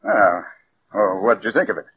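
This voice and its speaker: An actor playing an eager, flattering company sponsor in a 1940s radio drama. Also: male voice, on the low side, a little fast, slight background noise. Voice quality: effusive, flattering. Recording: dull old radio broadcast recording.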